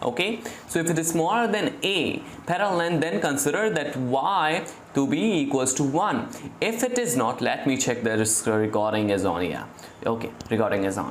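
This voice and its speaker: Noticeable background noise is present throughout. The talking goes at a moderate pace. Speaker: machine learning instructor. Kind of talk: lecture. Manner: halting.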